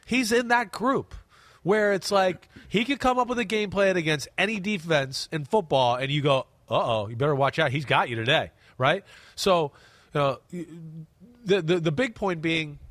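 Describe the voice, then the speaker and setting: A man with a clogged-up, sniffly voice breaks down football in a casual studio chat. His pitch sits a bit high and he keeps leaning hard on his points, often checking in with "right?" The sound is close and dry, with no room around it. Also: measured pace, a bit bright, no echo. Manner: emphatic, repeats words, asks "right?". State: stuffy and congested. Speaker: podcast co-host. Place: studio desk close to co-host.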